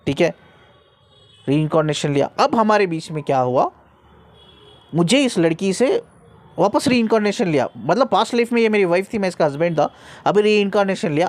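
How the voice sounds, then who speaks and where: Earnest man giving a spiritual talk. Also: high-pitched. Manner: repeats phrases for emphasis, frequent "okay" checks; earnest, explanatory, speaks to the listener directly. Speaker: spiritual guide. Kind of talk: spiritual teaching monologue.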